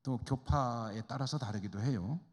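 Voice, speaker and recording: Guy pastor doing bible study, chatty, asks the room questions, normal pitch, big echoey church hall. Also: normal speed. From Chungcheong, Korea. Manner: conversational, rhetorical questions to the class.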